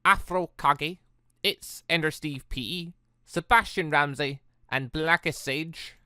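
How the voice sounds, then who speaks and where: An excitable let's play host, commentating on a game and exclaiming while reading along. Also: mid-range voice, slow, smooth, no room sound. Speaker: gaming video host reading a visual novel aloud. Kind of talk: let's play commentary with read-aloud character dialogue. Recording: close dry mic over game music. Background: game music.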